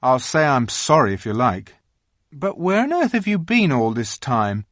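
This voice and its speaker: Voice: mid-range voice, big pitch swings, moderate pace, dry recording, clean studio sound, pitched above the performer's own voice, natural voice. A reader voicing a sulky, greedy young boy in a storybook reading. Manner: sullen, pleading. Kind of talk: audiobook reading.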